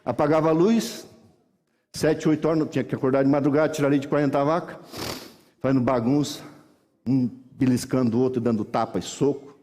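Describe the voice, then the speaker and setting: Animated pastor in an echoing church. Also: male voice, medium pitch, a little fast. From Brazil. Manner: animated folksy storytelling, acts out voices. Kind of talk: sermon. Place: church hall. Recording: reverberant church hall.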